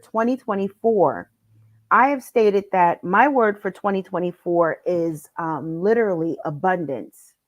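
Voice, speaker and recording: A woman's voice: fairly low pitch, darkish tone. Upbeat woman coach with allergy-thick voice. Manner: upbeat, addresses viewers directly. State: congested from allergies. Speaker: life coach. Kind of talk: live-streamed coaching lesson.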